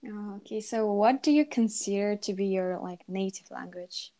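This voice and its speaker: This woman interviewer speaks in a mellow, soft-edged voice at a middle pitch for a woman. She asks her guest questions in a relaxed, chatty way, often offering a guess of her own and trailing off with gentle fillers. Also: moderate pace. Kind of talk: casual conversational interview.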